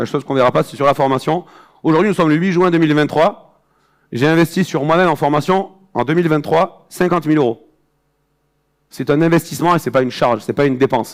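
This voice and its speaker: Very fast speech with long, frequent pauses and ordinary pitch variation. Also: man, fairly high pitch for a man. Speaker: motivational speaker. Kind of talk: conference talk. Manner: animated.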